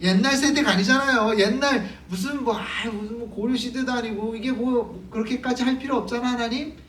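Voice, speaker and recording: A man's voice: very high-pitched, a little fast, fairly bright tone, a little hiss or hum, pitched above the performer's own voice. A man acting out a defiant modern believer who whines back at God and waves off old teaching. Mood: dismissive. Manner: dismissive, whiny talking back. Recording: echoey church hall from far off.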